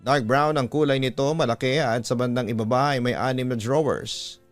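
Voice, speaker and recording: A man's voice: mid-range voice, normal speed. Male Filipino storytelling host, mid-range voice, scripted first-person horror narration over a music bed. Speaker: storytelling host reading listener letters. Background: background music.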